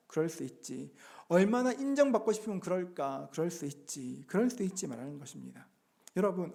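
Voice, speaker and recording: A man pastor delivers a Sunday sermon in a high, rising-and-falling voice. He is earnest and turns to the congregation with rhetorical questions, softening his tone as he voices gentle quoted words. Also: creaky.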